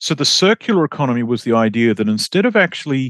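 A man with an Australian accent speaks at a moderate pace, his pitch swinging very widely. The recording is dry and close, with no echo. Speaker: mining engineer and geologist. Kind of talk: interview. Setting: remote call.

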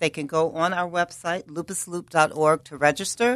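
A woman talks in a normal speaking voice at a moderate pace, fairly low in pitch with ordinary pitch variation. The background is quiet. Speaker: nonprofit board chair. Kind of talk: interview. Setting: studio.

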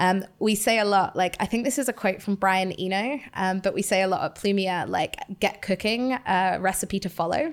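At a moderate pace and very even loudness, a woman with a British accent speaks at medium pitch with ordinary pitch variation on a very clean recording with a silent background. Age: 20s. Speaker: author. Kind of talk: casual chat.

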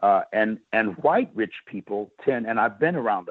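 Here a man has a normal speaking voice at a medium pitch. His intonation is lively. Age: 60s. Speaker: bishop and author. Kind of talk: casual chat.

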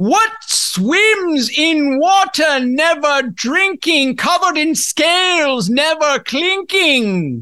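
A high-pitched, put-on character voice moves at a very slow pace. There are hardly any pauses. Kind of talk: comic overacting. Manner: pompous, imperious, impatient.

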